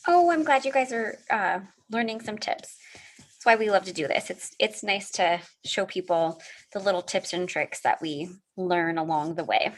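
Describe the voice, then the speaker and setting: A woman's voice: medium pitch, moderate pace. A middle-aged woman hosting a live card-making demo, friendly and chatty, a little sniffly, answering viewers as she works. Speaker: craft livestream host.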